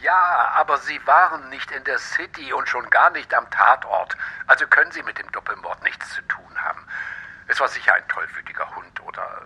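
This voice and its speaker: An actor playing a firm, reassuring psychiatric doctor in a horror audio drama, reasoning insistently. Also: male voice, mid-range voice, moderate pace, sharp tone, slightly rough, exaggerated voice.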